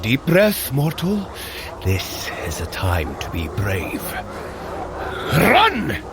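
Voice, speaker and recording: An actor playing a hearty, noble warrior god in an audio drama, speaking in a grand, earnest, declamatory way. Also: male voice, medium pitch, wildly swooping pitch, very slow, heavy background noise, heavily acted. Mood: rallying. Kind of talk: scripted audio drama acting.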